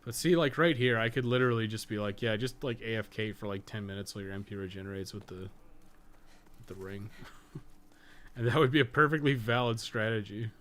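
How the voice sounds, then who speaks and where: Over a clearly noisy background, this man streams gameplay with loose, off-the-cuff commentary, wandering through his thoughts aloud and cursing frequently. He's a game streamer and podcast co-host whose voice runs on the low side, a little fast and fairly bright.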